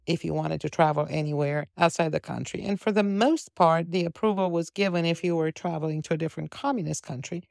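Interview guest: woman, 50s, Romanian accent, low gravelly voice, earnest steady delivery. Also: no echo, clean studio sound. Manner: earnest, steady storytelling with small restarts. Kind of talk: conversational interview.

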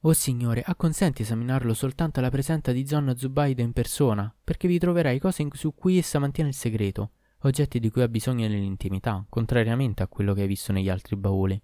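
A man voicing a quick-witted young servant woman who pleads urgently, in a storybook reading. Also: mid-range voice, dark tone, no echo, clean studio sound, natural voice. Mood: pleading.

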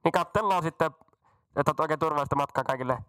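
A man voicing a careless, boastful airline captain who rambles through a deadpan cabin announcement. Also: a little high, no room sound, natural voice. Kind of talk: comedy sketch.

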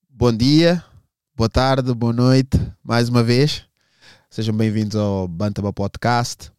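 A man in his forties with a European Portuguese accent, hosting a podcast over a remote call in a friendly, unhurried way, often repeating his words. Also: medium pitch, darkish tone, smooth, no echo, studio quality. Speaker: podcast host. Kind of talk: casual interview chat. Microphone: remote call microphone.

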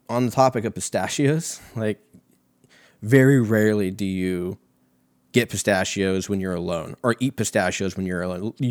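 A young American man with a fairly low voice talks in a loose, profane, slangy ramble. He tells stories like a casual comedy host, and the recording is close and dry. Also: dry recording. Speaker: host of a comedic talk show.

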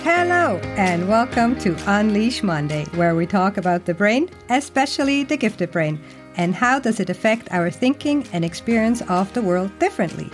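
A woman's voice: mid-range voice, very animated, moderate pace, soft background music. A woman hosting a podcast in a bubbly, talkative way, introducing her show and her guest. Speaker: podcast host and coach.

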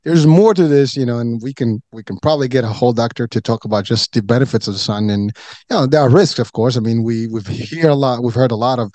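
A man's voice: medium pitch, fast, mellow, dry recording. A middle-aged man from Morocco chatting as a podcast guest, rambling with many fillers and restarts. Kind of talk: casual chat.

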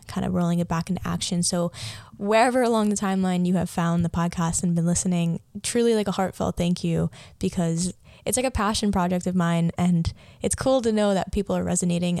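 A woman's voice: on the low side, gravelly, darkish tone, no room sound. A young adult woman hosting a casual solo podcast, rambling and chatty with lots of filler words and a slight lisp. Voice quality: slight lisp from a watering mouth. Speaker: podcast host.

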